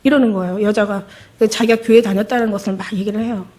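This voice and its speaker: A woman's voice: mid-range voice, steady tone, quick pace, warm tone. A middle-aged woman pastor giving an emotional testimony sermon, acting out the voices in her story.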